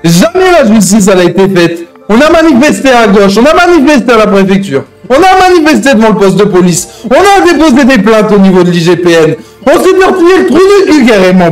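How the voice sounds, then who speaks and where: A man's voice: high-pitched, rough recording. A man playing an aggrieved, crude, threatening hostage-taker out for revenge in an improvised online game roleplay, swearing and repeating his verbal tics. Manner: verbal tic-laden, crude, ranting, swearing.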